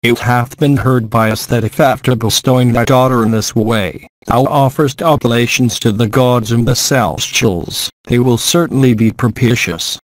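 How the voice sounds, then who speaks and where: An earnest young daughter pleading with her father, read out by a man in a storybook reading. The voice sits at an ordinary middle pitch and sounds dry and close. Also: normal speed, hardly any pauses, no room sound, natural voice, low-quality recording. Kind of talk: audiobook reading.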